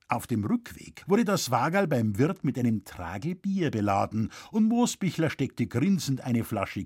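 A man's voice: mid-range voice, breathy edge, no echo, clean studio sound. A man narrating a humorous village tale as an audiobook reader, with a light Bavarian accent. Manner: lively storytelling. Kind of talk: scripted story narration.

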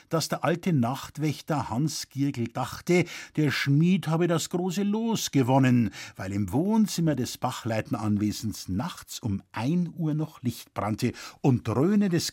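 A man's voice: medium pitch, husky, no room sound, studio quality. A man narrating a humorous village tale as an audiobook reader, with a light Bavarian accent. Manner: lively storytelling. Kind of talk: scripted story narration.

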